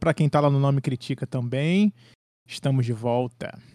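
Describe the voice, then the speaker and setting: An unremarkable speaking voice at a moderate pace, with ordinary pitch variation and a dry, close sound free of echo. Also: man. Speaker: podcast co-host. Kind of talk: casual chat.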